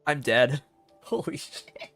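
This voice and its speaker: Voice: mid-range voice, takes it slowly, fairly bright tone, faint music behind. A game streamer giving casual, candid livestream commentary and reactions.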